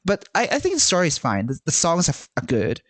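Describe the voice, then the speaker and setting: Animated man chatting on a podcast. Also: fairly high pitch, fast talker, no echo. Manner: animated, many restarts. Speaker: podcast co-host. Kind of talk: casual chat.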